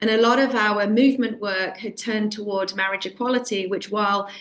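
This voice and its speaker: The speaker is a woman with a British accent. She talks fairly quickly. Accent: very British. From Britain. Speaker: event host and filmmaker. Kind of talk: virtual event introduction. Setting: video call. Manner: filler-heavy, with um and uh.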